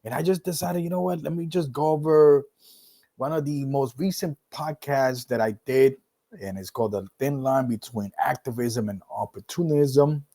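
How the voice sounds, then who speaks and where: A man's voice: medium pitch, moderate pace. Puerto Rican New York man hosting a podcast. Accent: Puerto Rican and New York mix. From Puerto Rico. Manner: animated, hypes with whoops, repeats words while thinking. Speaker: podcast host. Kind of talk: casual solo podcast monologue.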